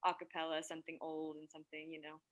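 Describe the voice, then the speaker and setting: Lower-pitched woman chatting casually. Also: completely flat delivery, fast, a bit bright, highs cut off. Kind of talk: casual chat. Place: online video call.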